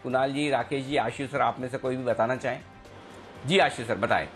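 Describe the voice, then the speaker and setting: A man with an Indian accent presenting live market news, announcing upcoming shows in a brisk manner with punchy slogans. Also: mid-range voice, fairly even intonation, soft background music. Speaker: news anchor.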